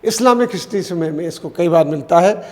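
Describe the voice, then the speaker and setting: A man's voice: high-pitched, expressive, quick pace, a little mellow, in a large hall. A man giving unscripted spoken news commentary, restarting and correcting himself as he talks.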